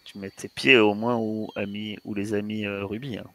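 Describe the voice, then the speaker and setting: A man's voice: lowish voice, flat delivery, moderate pace, a bit bright. A man narrating as game master, hesitant and full of fillers. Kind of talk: narrating a tabletop role-playing game.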